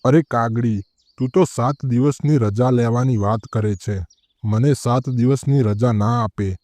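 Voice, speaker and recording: Sly, greedy cartoon crow husband played by a man, mid-pitched, boastful, very dry recording. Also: measured pace, mellow, no room sound, natural voice. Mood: reassuring. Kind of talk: animated moral story dialogue.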